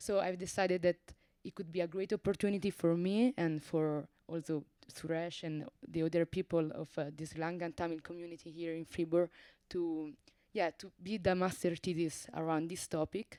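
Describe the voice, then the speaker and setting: Recorded very cleanly against a silent background, with a dry, close sound and no echo, a woman with an Italian accent speaks at a moderate pace in a fairly low, dark, mellow voice, her intonation fairly even but her loudness swinging widely. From Switzerland, Ticino. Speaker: master's student, researcher. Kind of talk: panel discussion. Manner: halting.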